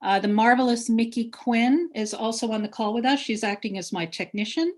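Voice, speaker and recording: A woman's voice: fairly high pitch, fairly quick. A woman event organizer giving housekeeping announcements and introductions to an online audience over a video call.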